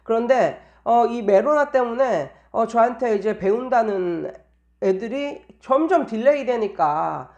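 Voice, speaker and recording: A woman's voice: fairly high pitch, lively intonation, a little slow, darkish tone, highs cut off. A woman tutor talking casually in an anecdotal monologue, explaining things and repeating phrases for emphasis. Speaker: private English tutor giving teaching tips.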